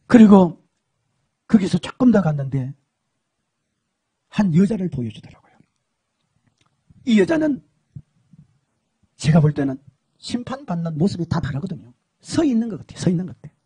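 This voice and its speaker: A man preaching a dramatic testimony, swinging between shouting and hushed speech. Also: high voice, big pitch swings, moderate pace, long pauses, breathy edge. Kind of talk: emotional sermon testimony.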